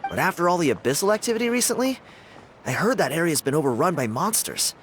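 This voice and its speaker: A man's voice: fairly high pitch, sing-song, fast talker, slight background noise. A man voicing a cocky, friendly young tribal dancer in a video game, talking in an easygoing, boastful way. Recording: game audio with loud music underneath.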